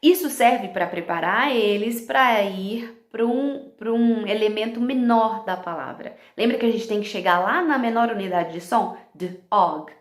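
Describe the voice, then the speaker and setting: A woman's voice: on the high side, normal speed, hardly any pauses, roomy sound. A woman teaching other teachers about phonological awareness. She explains step by step, checking in with "ok?" and using English words along the way.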